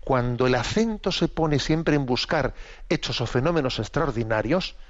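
Offering spoken religious commentary as a program host, this man is measured and teacherly, yet his intonation is lively; he often checks in with brief tag questions and asks rhetorical questions. He speaks at a normal mid pitch, on a slightly dull, lo-fi recording with a radio sound.

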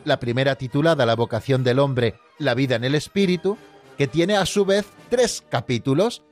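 A man's voice: on the high side, darkish tone, no echo, clean studio sound. A man hosting a Catholic radio program, teaching the catechism in an earnest, didactic way and speaking straight to his listeners.

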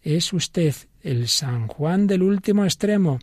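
A man voicing an old pope, gently insistent. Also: high-pitched, lively intonation, takes it slowly, no echo, clean studio sound, pitched above the performer's own voice, full character voice. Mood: gentle. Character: elderly male pope, gentle but urgent.

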